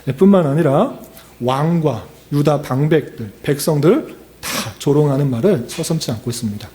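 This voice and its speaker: A man's voice: a little high, animated, moderate pace, warm tone. A male pastor giving an expository sermon, explaining scripture and leading the congregation in reading verses aloud.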